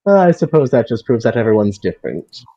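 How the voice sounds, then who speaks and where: A man's voice: mid-range voice, very animated, fast talker, mellow, lo-fi sound. A man voicing a prim, genteel woman in her thirties who walks with a cane, in a tabletop game. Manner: prim, formal, mannered.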